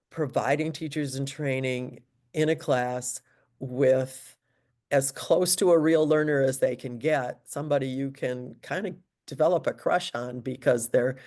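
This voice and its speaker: A woman's voice: rumbling low, warm tone. A middle-aged woman teacher making conversational panel remarks over a video call. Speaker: second language acquisition teacher. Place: indoor room, video call.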